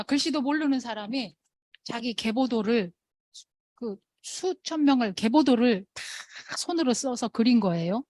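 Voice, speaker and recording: Lively woman telling stories to a crowd. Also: fairly high pitch, dry recording. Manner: animated, acts out quoted people in raised voice. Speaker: motivational speaker at a sales meeting. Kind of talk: storytelling talk to an audience.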